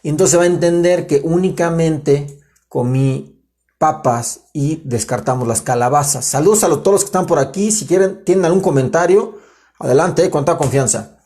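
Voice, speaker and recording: A Mexican man explaining a grammar rule in an informal livestream lesson, animated and chatty, breaking off for asides to his viewers. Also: fairly high pitch, moderate pace. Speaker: writer giving a live grammar talk.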